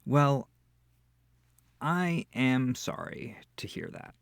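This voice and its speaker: A sweet, comforting incubus demon played by a man speaks close and dry in an ASMR roleplay. His voice is soft and breathy with a touch of gravelly creak, and he takes his time, tender and a little hesitant. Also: medium pitch, animated, very slow, no room sound, full character voice. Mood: sympathetic, awkward. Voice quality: breathy, often near whispering. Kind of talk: intimate ASMR audio roleplay.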